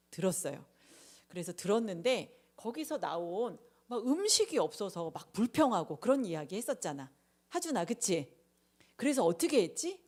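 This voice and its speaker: A woman's voice: mid-range voice, a little mellow. A woman preaching to children in a casual storytelling way, acting out quotes and asking the kids questions. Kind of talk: sermon to children.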